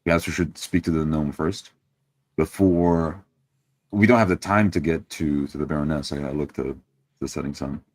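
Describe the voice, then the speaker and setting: A man with an extremely low voice plays a tabletop roleplaying game. He moves between formal, courteous character speech and first-person narration. The sound is dry and close. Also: fairly even intonation, moderate pace, no echo.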